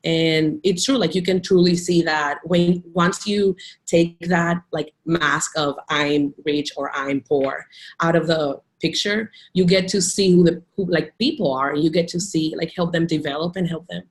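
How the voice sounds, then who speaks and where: A woman's voice: low voice, steady tone, a little slow. A woman from the Dominican Republic, a teacher, talking casually in an interview with lots of "like" fillers and restarts. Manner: chatty, many "like" fillers and restarts.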